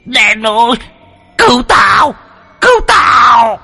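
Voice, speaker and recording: A man's voice: animated, extremely slow, gravelly, sharp tone, soft background music, heavily acted. A man voicing a cowardly, lecherous old male ghost who wails shrilly for help. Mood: panicked pleading. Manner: shrill wailing, yelping for help.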